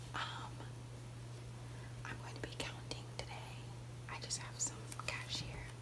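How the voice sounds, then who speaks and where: A woman speaks at a moderate pace with a very deep, low pitch. Her intonation is monotone and flat, and noticeable background noise is present. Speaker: ASMR creator. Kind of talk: ASMR money counting. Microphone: phone near.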